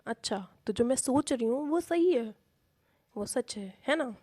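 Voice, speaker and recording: A woman's voice: fairly high pitch, moderate pace, mellow, close to an everyday voice. A woman voicing a confident young woman who teases her friend in a strict, bossy tone. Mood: teasing. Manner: teasing, bossy.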